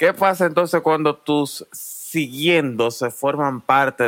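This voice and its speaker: A man with a Dominican accent speaks with ordinary pitch variation. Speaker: podcast host. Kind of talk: casual chat.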